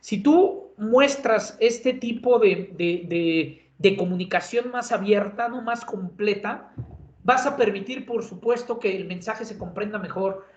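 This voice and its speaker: A man's voice: high voice, a little slow. A man with a Mexican accent giving a conversational lecture as an instructor, with many filler sounds and tag questions. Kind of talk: lecture on communication. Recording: roomy, dull lo-fi sound.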